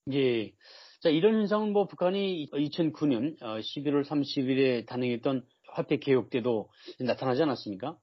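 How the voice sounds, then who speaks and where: Husky male public radio host. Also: medium pitch, animated, moderate pace, dry recording, muffled recording. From North Korea.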